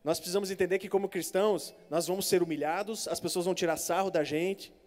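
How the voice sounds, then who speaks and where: A young man from preaching a sermon to a congregation, telling stories animatedly and acting out the voices, swinging between loud exhortation and hushed asides. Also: high voice, steady tone, quick pace. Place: church hall. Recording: reverberant church hall with faint music.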